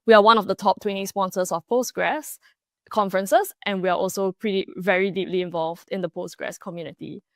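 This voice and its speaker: A woman's voice: medium pitch, a little fast, no echo, studio quality. A woman from Singapore in her thirties presenting a prepared conference talk with enthusiasm, with a few small restarts. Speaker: conference speaker.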